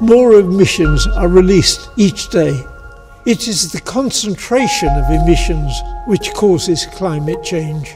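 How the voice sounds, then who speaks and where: Clear music can be heard behind the voice. The man's delivery is fairly slow. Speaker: social scientist. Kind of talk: direct address to camera, advocacy talk. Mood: grave, urgent. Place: garden. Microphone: lapel.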